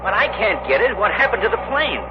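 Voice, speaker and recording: An actor playing a brash, slangy young airplane pilot in a 1930s radio drama. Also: male voice, sits high, quick pace. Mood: wary. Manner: slangy, excitable. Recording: muffled hissy 1930s radio broadcast.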